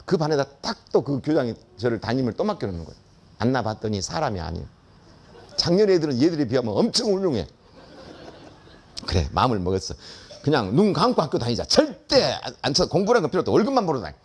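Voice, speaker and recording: A man's voice: medium pitch, fast, breathy edge. An older man giving a storytelling lecture, acting out the voices of the people in his story and laughing often. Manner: animated, acts out quoted voices, laughs often. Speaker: school principal giving a lecture.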